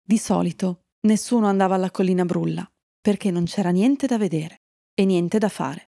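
A woman storyteller gently reading a fairy tale to children and chatting kindly with her young listeners. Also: fairly low pitch, moderate pace, gravelly, no room sound, clean studio sound.

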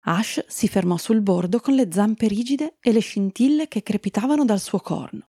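A woman tells a children's fairy tale in a calm, steady storybook manner. Her voice is mellow and husky, with noticeable gravel. The sound is close and dry. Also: mid-range voice, normal speed, no echo. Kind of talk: storybook narration.

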